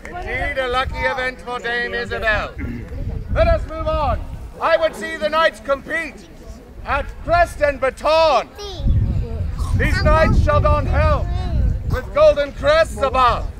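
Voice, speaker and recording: Guy doing a pompous ren faire herald, really high voice, grand olde speech, crowd outdoors. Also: slow. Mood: formal, grand. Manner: formal, grandly declaiming. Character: pompous male herald announcing a knights' joust. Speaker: joust announcer. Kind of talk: renaissance fair olde speech, theatrical announcing. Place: outdoor fair arena.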